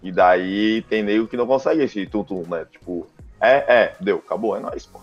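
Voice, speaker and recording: A man's voice: on the low side, moderate pace, faint music behind. A Brazilian man hosting a podcast in a slangy, laid-back casual chat. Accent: Brazilian Portuguese. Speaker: podcast host. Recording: dull lo-fi audio.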